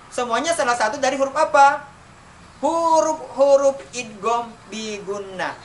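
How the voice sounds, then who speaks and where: A man with an unusually high voice teaches young pupils how to recite, posing questions and answering them himself. He draws out each example in a slow chant. He sits away from the mic, with a faint hiss in the background. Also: a bit bright, distant mic. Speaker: elementary school Quran recitation teacher. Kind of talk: online tajwid lesson for children.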